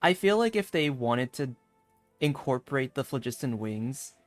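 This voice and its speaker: A man's voice: medium pitch, very animated, moderate pace, dry recording, faint music behind. A man giving casual gameplay commentary as a streamer, informally thinking aloud. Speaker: game streamer.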